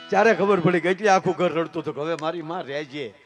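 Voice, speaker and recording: Folk comic; moves from hushed to booming and preachy. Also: male voice. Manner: swings from hushed asides to loud preachy declamation. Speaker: folk comedian and storyteller. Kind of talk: folk humor stage storytelling.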